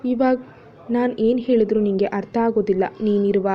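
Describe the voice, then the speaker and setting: A woman doing Mahesh, a calm, caring young husband. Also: a little high, normal speed, close to an everyday voice. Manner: calm, gently scolding. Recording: dull lo-fi audio with faint music.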